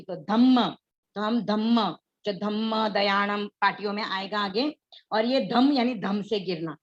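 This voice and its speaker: A woman's voice: mid-range voice, highs cut off. A woman teaching an online class on pronunciation, explaining patiently and mixing English words into her Hindi.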